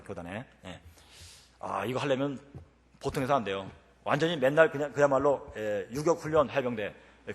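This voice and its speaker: Fast, fervent preacher in an echoey hall. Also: male voice, medium pitch. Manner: animated, switches between fervent shouted prayer and chatty anecdote. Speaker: preacher and professor. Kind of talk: revival-meeting sermon with storytelling. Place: church sanctuary.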